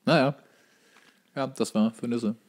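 A man's voice: mid-range voice, fairly even intonation, a little slow. A man co-hosting a podcast in casual comedic banter, talking in a joking, rambling way. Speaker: podcast co-host.

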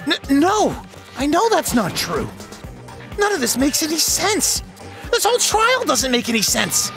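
A man's voice: very high voice, huge pitch swings, a little slow, gravelly, fairly bright tone, exaggerated voice. A man voicing an earnest teenage boy in a video game, talking in a pleading, urgent way. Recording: game audio over music.

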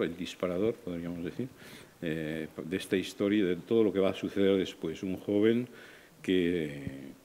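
Older man asking questions, very low voice, calm and measured. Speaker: interviewer. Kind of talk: festival press interview. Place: small room at a film festival, indoors.

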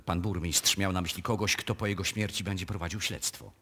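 An actor playing a discreet, polite small-town notary in a radio drama, formal and deliberate. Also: male voice, sits low, fairly even intonation, pushed and bright, breathy edge, full character voice. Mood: solemn, insistent. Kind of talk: live radio drama acting.

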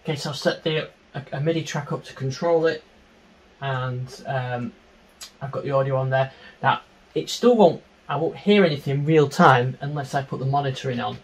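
A middle-aged man giving an informal, unscripted tutorial on music software, explaining step by step into a handheld microphone in a small home studio. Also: medium pitch, moderate pace, low-quality recording. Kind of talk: informal screen-share tutorial.

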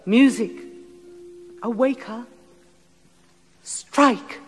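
A woman's voice: on the high side, extremely slow, a little hiss or hum. An actress playing a loyal, commanding older noblewoman, speaking verse in a solemn, incantatory way. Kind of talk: classical stage acting, audio drama. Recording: long reverb with soft music behind.

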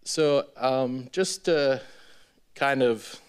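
A man in his thirties giving an informal presentation as a developer, in a halting, hesitant way with many ums. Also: mid-range voice, clear, resonant tone. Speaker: real estate developer presenting a project. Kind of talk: informal public presentation with slides. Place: large indoor meeting room with seated audience. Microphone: podium gooseneck microphone.

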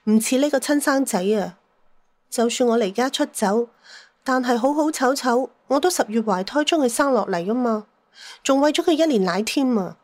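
A woman's voice: fairly high pitch, lively intonation, normal speed, a little mellow, dry recording, close to an everyday voice. An actress voices a middle-aged mother. She is shrewd, jealous and sentimental, pleading with theatrical sighs as in a radio play. The sound is close and dry. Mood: aggrieved. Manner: plaintive, theatrical, sighing. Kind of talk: Cantonese audio drama acting.

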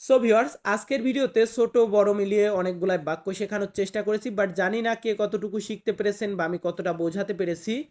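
A woman teaching a casual spoken language lesson, who explains patiently, repeats phrases slowly and answers imagined objections in a chatty way. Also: medium pitch, steady tone, darkish tone.

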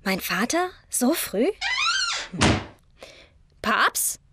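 A bewildered schoolgirl in a horror audio drama. Her voice is a little high, and she talks in a caring, hesitant way. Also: sing-song, very slow, very noisy, exaggerated voice. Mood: subdued. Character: concerned, bewildered teenage schoolgirl.

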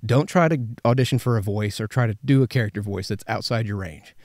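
Talking fast in a fairly low, darkish voice with no room sound, this thirty-something professional voice actor chats casually to camera with voice acting advice. The setting is a small padded indoor vocal booth, captured through a studio condenser microphone fitted with a pop filter.

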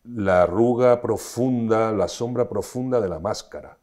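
A man's voice: on the low side, unhurried, a little mellow. A middle-aged man from Spain, an actor being interviewed, telling stories expansively with frequent restarts. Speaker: actor, guest. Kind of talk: conversational interview.

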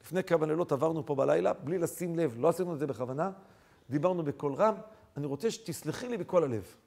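Humble young student, as a preacher tells it. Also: male voice, on the high side, lively intonation, gravelly, a little mellow. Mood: pleading. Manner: pleading, apologetic. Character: earnest young male yeshiva student, humble.

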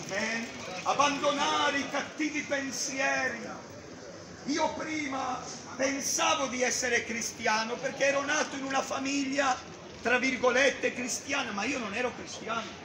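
High-voiced man preaching loudly in a street. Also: unhurried. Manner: loud, declaiming, gesturing with a Bible. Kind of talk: open-air street preaching. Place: busy town street outdoors. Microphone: far camera. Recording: echoey street with crowd noise. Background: crowd and passers-by.

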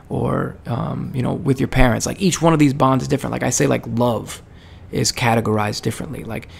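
Male podcast host, army veteran, casual monologue; strong vocal fry, loose and rambling delivery. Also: medium pitch. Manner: rambling, many fillers and restarts.

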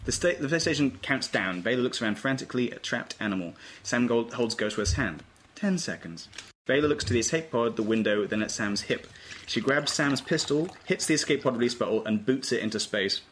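A man's voice: mid-range voice, animated, a little fast, fairly bright tone. A man giving scripted narration, reading stage directions at a table read. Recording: faint room noise.

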